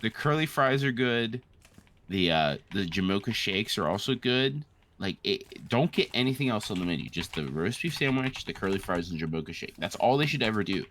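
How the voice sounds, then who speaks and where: A man with a very low voice hosts a casual gaming show. His delivery swings expressively up and down as he rambles along, swearing freely in friendly banter. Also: very animated, moderate pace, fairly bright tone, a little hiss or hum. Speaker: co-host of a let's-play show.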